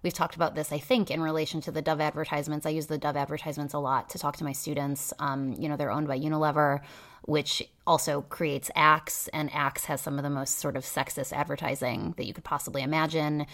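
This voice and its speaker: A woman's voice: low-pitched, little pitch movement, fast talker, fairly bright tone. A woman co-hosting a podcast, talking casually with many fillers in a cynical, hedging way. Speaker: podcast co-host; teacher.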